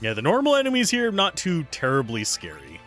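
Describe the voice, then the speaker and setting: A young man streams a game and chats through it, joking and reacting aloud. His slightly raspy voice is bright and very lively in pitch. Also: a little fast, faint music behind. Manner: chatty, jokey, reacts aloud. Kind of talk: casual gameplay commentary.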